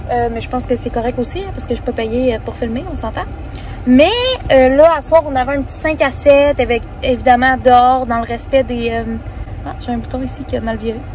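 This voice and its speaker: Over noticeable background noise, the talking goes at a fairly quick clip. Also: woman, high pitch for a woman. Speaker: vlogger. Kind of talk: casual vlog monologue. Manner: fast; animated.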